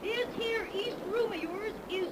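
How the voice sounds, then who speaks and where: A woman's voice: extremely high pitch, unhurried. A young woman playing an emotional, easily frightened young wife who speaks breathlessly, in 1930s radio drama style. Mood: happy. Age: young adult. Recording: scratchy 1930s radio recording.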